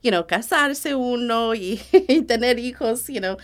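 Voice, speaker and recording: A woman's voice: on the high side, unhurried. A woman from the United States with a US Latina Spanish accent, chatting as an interview guest and slipping English words into her Spanish. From United States, Hudson Valley. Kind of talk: casual interview conversation.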